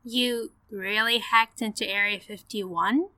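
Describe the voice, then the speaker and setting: A woman's voice: mid-range voice, fairly even intonation, takes it slowly, pushed and bright, dry recording, low-quality recording. A woman playing a practical, sceptical young woman in an audio drama, emphatic and easily incredulous.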